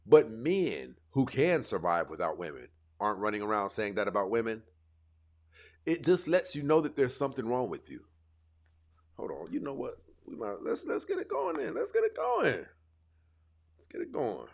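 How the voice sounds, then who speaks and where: A man hosting a dating advice stream, lecturing his viewers in a casual, animated way. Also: on the low side, moderate pace. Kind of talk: casual live commentary.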